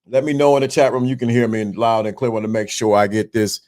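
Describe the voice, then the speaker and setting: Talking fast in a darkish, medium-pitched voice that barely shifts in pitch, this man in his fifties runs a live stream. He lectures viewers directly with a motivational message, circling back to the same points in a preachy manner.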